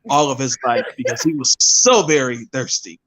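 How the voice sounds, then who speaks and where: A man co-hosting a podcast in casual chat, relaxed and joking as he tells stories. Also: mid-range voice, normal speed. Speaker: podcast co-host.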